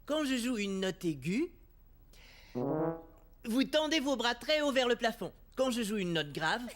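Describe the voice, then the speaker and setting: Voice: mid-range voice, very animated, unhurried. A friendly cartoon big boy gives encouraging instructions to younger kids. The voice sits in an ordinary youthful register, with faint music behind it. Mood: playful, instructing. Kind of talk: children's cartoon dub.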